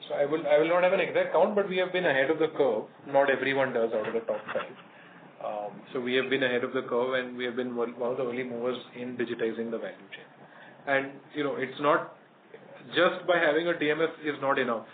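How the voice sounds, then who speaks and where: A man with an Indian accent answering analysts on an earnings call as a company executive, in a measured, hesitant manner. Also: mid-range voice, steady tone. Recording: noisy narrowband phone conference line.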